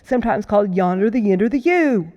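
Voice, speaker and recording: A woman voicing a sneering, strange boy who fires back loud, quick nonsense answers in a storybook reading. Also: mid-range voice, animated, lo-fi sound, close to an everyday voice. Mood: boastful. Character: sneering strange boy with burning bean head.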